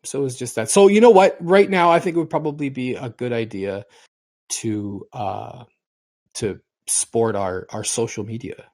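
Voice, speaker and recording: Middle-aged male podcast co-host, rambly storyteller, mid-pitched everyday voice. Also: moderate pace, a little mellow. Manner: rambling storyteller, repeats and restarts words. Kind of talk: casual podcast chat.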